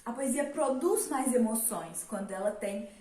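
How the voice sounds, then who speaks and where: A woman's voice: on the high side, animated, moderate pace, warm tone. A young woman teaching a casual literature lesson, chatty, with many fillers and rhetorical questions. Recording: roomy, mic at a distance.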